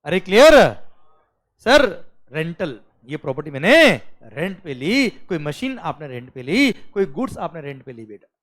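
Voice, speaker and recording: A man teaching a live recorded tax lecture, who mixes Hindi with English terms in an Indian English accent, keeps asking "clear?" loudly and chants lists rhythmically. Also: a little high, measured pace. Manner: animated teacher, calls students "beta", repeats "clear?" loudly. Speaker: GST lecturer for accounting students.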